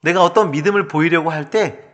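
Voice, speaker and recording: A man preaching a sermon as pastor, animated and dramatic, asking his listeners rhetorical questions. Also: a little high, quick pace.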